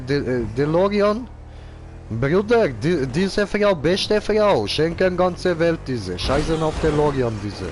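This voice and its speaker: A man's voice: fairly high pitch, darkish tone. A man giving casual live gaming commentary in clownish, slangy broken grammar, as a streamer. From Switzerland. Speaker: game streamer.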